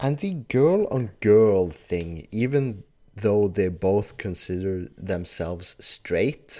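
Very slow but lively in intonation, a man with a fairly low pitch is heard on a very clean recording with a silent background. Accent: Norwegian. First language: Norwegian. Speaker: podcast co-host. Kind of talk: casual chat. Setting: bar.

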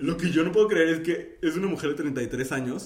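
Against noticeable background noise, a man with a Mexican accent and a high pitch speaks at a fairly quick pace in an animated tone, with ordinary pitch variation. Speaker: podcast co-host. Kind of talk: casual chat.

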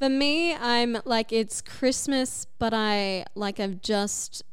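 Speaking with an Australian accent, a woman uses a fairly high pitch and lively intonation. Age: 20s. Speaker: podcast co-host. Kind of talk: casual chat.

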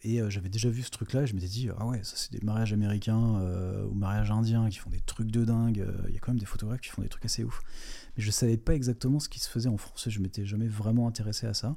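Very fast and with fairly even intonation, a man speaks in a dark, mellow tone. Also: medium pitch for a man. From Brittany, Finistère (Châteaulin). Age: 30s. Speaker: wedding photographer. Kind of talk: casual interview chat.

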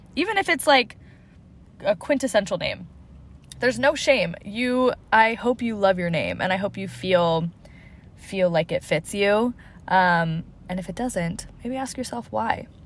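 A woman with a West Coast American accent speaks fairly slowly at medium pitch, with lively intonation and long, frequent pauses. The recording is very clean, with a silent background. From US Pacific Northwest, Seattle. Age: 20s. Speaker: fitness studio owner, podcast host. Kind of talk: casual solo monologue. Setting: in a car at the beach. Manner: relaxed with pauses.

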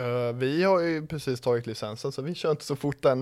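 On a very clean recording with a silent background, a man has a normal speaking voice, a fairly high pitch and ordinary pitch variation. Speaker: drag racing driver and crew member. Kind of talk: casual chat.

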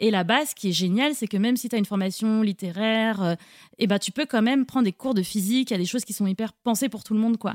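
A woman's fairly high voice at a very fast pace with ordinary pitch variation, in a very clean recording with a silent background and a dry, close sound with no echo. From Paris region, France. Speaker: podcast producer. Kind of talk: casual chat.

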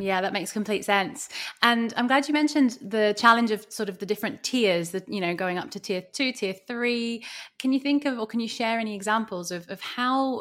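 In a plain, everyday voice, a woman talks at a fairly quick pace with a fairly high pitch and ordinary pitch variation. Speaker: podcast host and interviewer. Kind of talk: interview.

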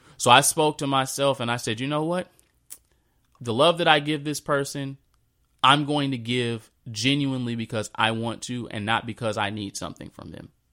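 A man's bright, sharp voice at medium pitch shows ordinary pitch variation and big swings in loudness. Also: moderate pace, very clean recording, silent background. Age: 30s. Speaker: podcast host. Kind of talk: personal storytelling monologue. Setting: solo recording.

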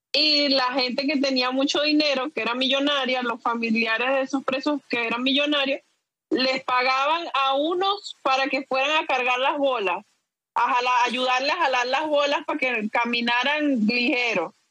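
In a Caracas Venezuelan accent, a woman uses a raised, projected voice with high pitch, ordinary pitch variation, very even loudness and a moderate pace. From Venezuela, Caracas. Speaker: podcast guest. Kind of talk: casual chat.

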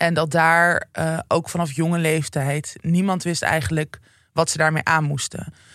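Against a very clean recording and silent background, a woman with a fairly low pitch speaks at a fairly slow pace in monotone, flat intonation. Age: 30s. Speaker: author. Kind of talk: interview.

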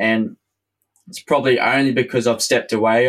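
In an Australian accent, a man speaks at medium pitch and a moderate pace. His intonation is monotone and flat. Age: 20s. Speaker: farming podcast host. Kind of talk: casual interview.

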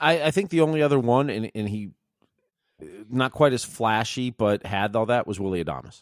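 A man with an unremarkable speaking voice talks at a moderate pace and medium pitch with lively intonation, in a dry, close sound with no echo. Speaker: sports podcast co-host. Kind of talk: casual sports chat.

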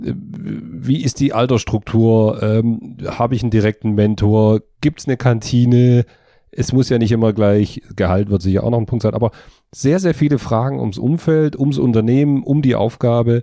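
In a slight southern German accent, a man speaks at a medium pitch and moderate pace with a dark, mellow tone. His loudness stays very even, pitch varies in an ordinary way, and the background is quiet. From southern Germany. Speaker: manager who hires staff. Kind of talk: interview.

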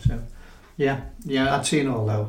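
A man with a Liverpool accent and medium pitch talks at a very fast pace over noticeable background noise. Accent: Liverpool (Scouse) English. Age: 80s+. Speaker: retired drummer, musician. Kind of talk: casual interview. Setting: home dining room.

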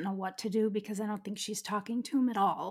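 Her voice is somewhat breathy. The speaker is a woman. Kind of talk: casual chat. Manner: chatty, joking.

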